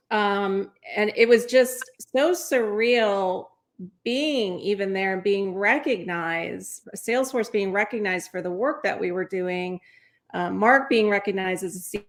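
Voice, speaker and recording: A woman recalling a memorable experience as an interview guest, reflective and a little awed. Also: medium pitch. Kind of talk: interview, casual recollection.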